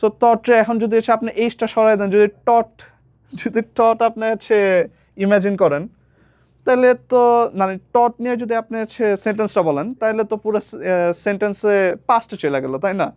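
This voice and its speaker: A man's voice: sits high, a little fast, a little mellow, clean tone, no room sound. A young man, casually giving a speaking lesson as a tutor and slipping English phrases into his explanations. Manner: mixes English phrases into his talk, repeats words while explaining.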